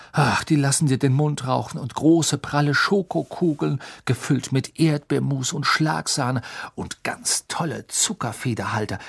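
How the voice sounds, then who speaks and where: A man voicing an impulsive teenage wizard who talks in an excitable, blunt way. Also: medium pitch, gravelly, breathy edge.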